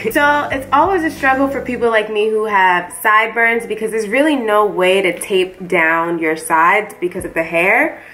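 A woman's voice: mid-range voice, bright, forceful tone, rough recording. A young woman with a stuffy voice from the flu, chatting upbeat and directly to her viewers in a casual hair tutorial. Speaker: beauty vlogger.

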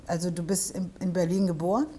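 Woman host with a low voice, welcoming, steering the interview with questions. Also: flat delivery, fast talker, mellow. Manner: welcoming, asks many questions. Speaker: talk show host. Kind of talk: hosting an interview. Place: small studio set with armchairs.

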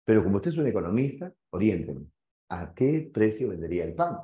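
A man's voice: on the low side, very animated, a little fast. An eager, polite young woman from Peru, put on by a man in a lightly raised voice. The sound is roomy and a little dull, as if recorded in a classroom. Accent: Peruvian Spanish. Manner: polite, eager, asking favors.

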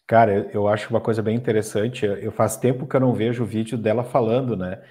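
A middle-aged man hosts a live stream, reading viewers' questions aloud and dropping in agreeable interjections during the casual chat. His voice is on the low side with a dark tone, and he talks fast in a steady tone.

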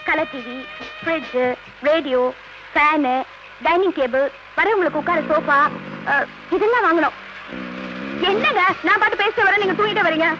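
An actress playing a chatty, bossy young wife listing what to buy for a new house. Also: female voice, very high-pitched, moderate pace, pauses often, over music, poor audio. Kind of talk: 1980s Tamil film comedy.

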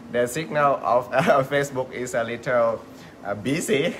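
A man from Thailand with a Thai accent, hosting and teaching on a live stream. He talks in a halting way, searches for words and chuckles often. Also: medium pitch, a bit bright, slight background noise. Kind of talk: live-stream talk, switching between English and Thai.

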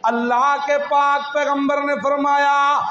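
High-voiced preacher, chanting and shouting. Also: male voice, little pitch movement. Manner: chanting, shouting rises into slow sung phrases, then quick asides. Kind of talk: Friday sermon. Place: large mosque hall, indoors. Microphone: headset mic. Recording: roomy, slightly dull hall recording.

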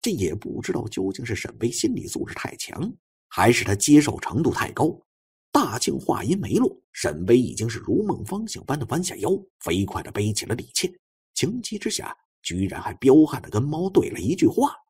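A man's voice: mid-range voice, huge pitch swings, normal speed, a little mellow, breathy edge, dry recording. A man giving a theatrical, suspenseful dramatic narration of a novel as an audiobook narrator.

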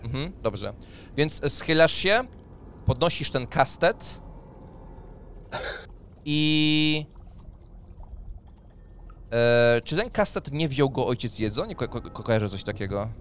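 Male game master, mid-pitched, halting improvised storytelling with repeated words. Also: expressive, fairly bright tone, a little hiss or hum. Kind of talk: improvised narration of a tabletop role-playing game. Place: indoor streaming room. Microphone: microphone on boom arm, close, with headphones.

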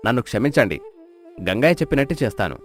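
A man's voice: mid-range voice, big pitch swings, quick pace, close to an everyday voice. Man acting a village headman over flute music. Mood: pleading, remorseful. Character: scheming village headman caught out, defiant then pleading. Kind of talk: dramatized moral story acting.

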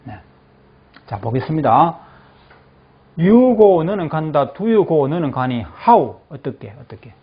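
A male English teacher leads a classroom drill in a fairly high, animated voice. He says each phrase slowly, explains it, and keeps checking that the class follows. The recording sounds dull and lo-fi. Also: husky. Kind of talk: classroom lecture with repeat-after-me drills.

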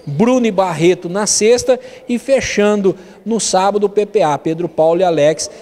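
A man's voice: high voice, normal speed, mellow. A middle-aged man with a Brazilian accent answering a TV interview as mayor, repeating words as he explains. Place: indoor room. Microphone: handheld interview microphone. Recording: echoey, reverberant room.

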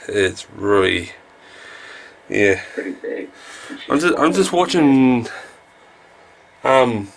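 A man in his thirties talks to a handheld camera in a small room. His voice is fairly low and full of gravelly creak. He takes his time, drifting slowly through everyday subjects in a low-key, casual way. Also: slight background noise. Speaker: vlogger. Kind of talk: casual rambling video diary. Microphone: handheld camera at arm's length.

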